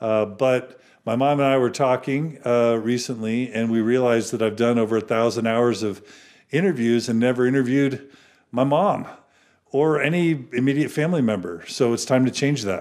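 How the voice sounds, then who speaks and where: A man speaks at a moderate pace with very even loudness. The background is quiet. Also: ordinary pitch variation. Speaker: podcast host. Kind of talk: podcast introduction. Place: studio. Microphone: studio mic.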